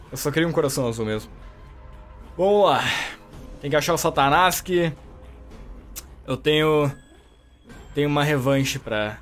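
A man with a Brazilian Portuguese accent commenting on his gameplay in a chatty way, reacting loudly and joking at enemies. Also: on the high side. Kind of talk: let's play commentary.

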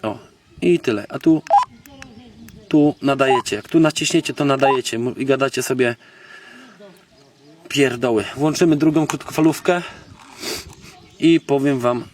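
A man from Poland gives a casual, unscripted gadget demonstration as a video blogger, halting and thinking aloud in colloquial, slangy speech. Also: mid-range voice, a little mellow. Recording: noisy, distant microphone, background clicks.

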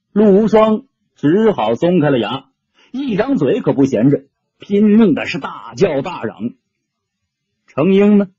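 A man's voice: on the high side, dark tone, highs cut off. A man narrating an audiobook story dramatically, shifting his tone with the action.

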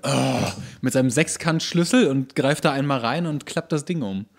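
A man's voice: medium pitch, normal speed, gravelly. A man chatting casually as a podcast co-host. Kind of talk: casual chat.

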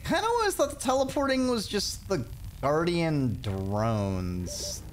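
A man's voice: fairly high pitch, big pitch swings, slow, slight background noise, poor audio. A man livestreaming a video game with casual, rambling, hesitant commentary.

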